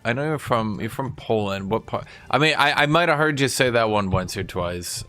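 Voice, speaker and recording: A man's voice: mid-range voice, lively intonation, moderate pace, a bit bright, faint music behind. A man streaming a game, chatting casually and rambling to his viewers. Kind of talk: casual chat while gaming.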